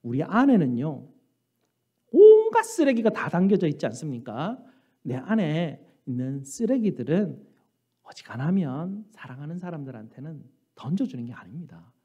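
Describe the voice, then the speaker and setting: A man's voice: a little high, big pitch swings, moderate pace, mellow, breathy edge. A man preaching a sermon as pastor, earnest and full of rhetorical questions. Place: church sanctuary. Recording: dull lo-fi church recording.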